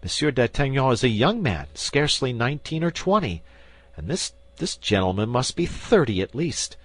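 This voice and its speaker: A man's voice: animated, moderate pace, dry recording, lightly acted. A man voicing a frantic, fawning middle-aged landlord in an audiobook, pleading and whining. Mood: indignant. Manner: pleading, panicky, high and whining. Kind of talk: audiobook character voice.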